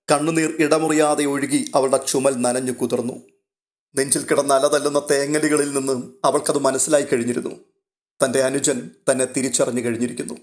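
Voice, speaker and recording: A male storyteller reads a written drama aloud, measured and emotive. His pitch sits mid-range for a man, and the delivery is even and unhurried. Literary phrasing sets a gentle, reflective tone. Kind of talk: scripted audio story narration.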